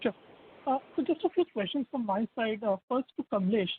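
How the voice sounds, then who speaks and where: A woman's voice: on the high side, lively intonation, brisk, slight background noise. A woman, an analyst asking questions on an earnings call, politely and with frequent fillers. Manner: polite, many "you know" fillers. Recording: tinny phone line.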